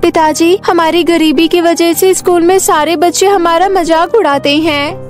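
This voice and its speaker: An earnest schoolgirl elder sister acted by a woman in a cartoon tale, polite and plaintive. The voice is very high, over soft music. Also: fairly even intonation, normal speed. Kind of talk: cartoon story character acting.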